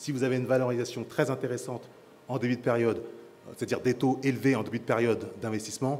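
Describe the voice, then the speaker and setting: A man talks at a very fast pace in a medium pitch. His intonation stays monotone and flat, with audible room echo. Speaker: portfolio manager, master class speaker. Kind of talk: lecture. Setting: conference hall with audience. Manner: hesitant, many fillers and repetitions.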